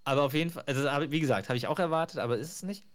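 A man's voice: a little high, racing. A man hosting a podcast, casually retelling sitcom scenes, often laughing and lightly acting out the quotes. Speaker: podcast host.

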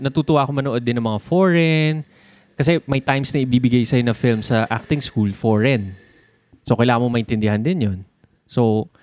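A young man with a Filipino accent, co-hosting a casual chat about films. He explains in an animated way and uses sound words to make his examples. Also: medium pitch, dry recording.

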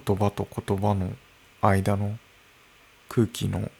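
Guy in his early 30s, low gravelly voice, thinking out loud solo at home. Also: completely flat delivery. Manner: slow, musing, with soft laughs. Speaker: podcast host. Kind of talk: unscripted solo podcast talk. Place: room at home, alone. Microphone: podcast microphone.

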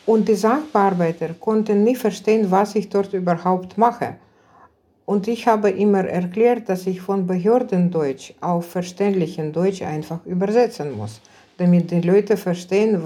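Middle-aged woman, mellow warm tone, measured, hesitant. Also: medium pitch. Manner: thoughtful, measured, frequent hesitations. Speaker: guest, social worker. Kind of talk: casual conversation.

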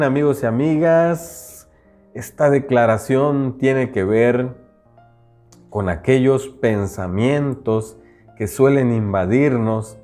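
A man from southern Veracruz, a Nahuatl speaker with a Mexican accent, hosts a motivational spiritual podcast and also works as a teacher. His mid-range, slightly mellow voice speaks earnestly and directly to the listener through repeated declarations. Faint music plays in the background.

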